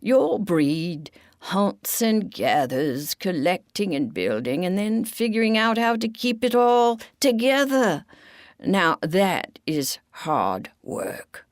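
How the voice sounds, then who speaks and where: A woman voicing Patsy, a gentle, polite female white rat who was raised as a stage performer. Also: medium pitch, big pitch swings, slow pace, no room sound, studio quality, pitched above the performer's own voice. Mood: sincere. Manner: gentle, polite and soft-spoken.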